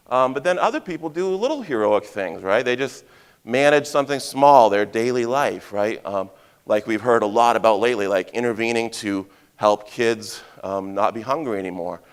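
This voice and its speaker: Loud, chatty man from Maine. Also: on the low side, smooth. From Maine, USA. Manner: loud, chatty, jokey, asks the crowd questions, many "right?" tags. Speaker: heroism educator giving a conference talk. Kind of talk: live audience talk. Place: conference stage before an audience. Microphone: handheld or stage mic.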